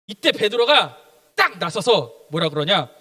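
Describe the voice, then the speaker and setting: A young man preaches to children, firing question after question at them. His voice sits very high and bright, and it leaps around as he speaks. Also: unhurried. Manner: animated, quizzes the children with questions. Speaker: junior pastor at a children's service. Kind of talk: children's sermon.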